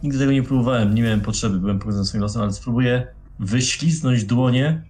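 Calm, deliberate male tabletop player. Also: medium pitch. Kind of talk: tabletop game role-play.

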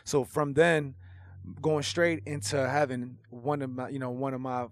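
A man whose first language is Portuguese, a guest rapper talking in a casual podcast chat, animated and slangy with emphatic swearing. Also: medium pitch, a little slow, dry recording.

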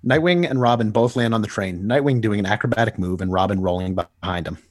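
A man co-hosting a podcast, narrating comic panels aloud with lively delivery. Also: on the low side, fast talker. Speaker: podcast co-host.

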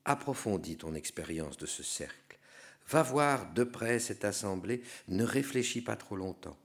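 A man voicing a wise elder male poet guide in a stage reading, urging his companion on in a measured, firm way. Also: fairly low pitch, animated. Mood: hushed.

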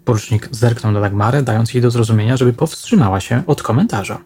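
A man narrating a crime novel audiobook with a steady, even reading. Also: medium pitch, fast, slight background noise.

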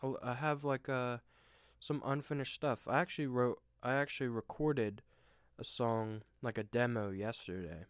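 A young man hosting a solo podcast, rambling and self-deprecating with lots of fillers and restarts, with a deep voice. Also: moderate pace, smooth, no echo, clean studio sound. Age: young adult. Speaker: podcast host. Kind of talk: casual solo monologue. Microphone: desk microphone at home.

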